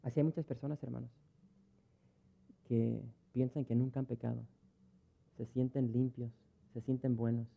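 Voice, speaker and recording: Direction: a man preaching in an easy, conversational way, acting out the people in his stories at a mid-range pitch. The sound comes through thin and tinny, like a phone line. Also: level tone, moderate pace, creaky, pauses often. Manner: conversational, storytelling, acts out dialogue. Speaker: pastor. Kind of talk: sermon with personal anecdotes. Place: church.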